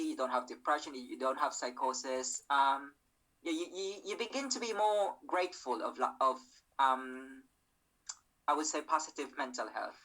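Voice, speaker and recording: Man, bright voice, hesitant and halting, casual conversation. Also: on the high side, low-quality recording. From Philippines. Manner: hesitant, many ums and repeated words. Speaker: mental health advocate and event host.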